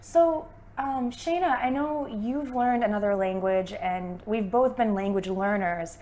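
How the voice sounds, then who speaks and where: A woman's voice: mid-range voice, a little slow, darkish tone. A young American woman, an English teacher, chatting upbeat and casually in a conversation lesson. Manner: upbeat, chatty, many fillers.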